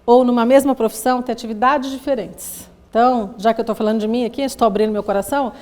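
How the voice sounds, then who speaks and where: A Brazilian psychologist addresses an audience in a lively lecture. Her voice sits somewhat high for a woman. She slips into quoted voices to act out scenes and laughs through her asides. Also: quick pace. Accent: Brazilian Portuguese. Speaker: psychologist giving a talk.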